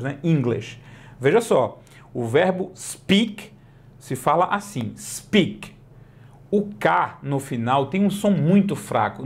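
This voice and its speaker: A male English teacher whose first language is Portuguese, explaining grammar, stretching out example words slowly and checking in with the listener often. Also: on the high side, vocal fry. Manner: slow, drawn-out model pronunciations between quick explanations; asks the listener questions and checks in with "né?" and "ok?". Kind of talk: online language lesson.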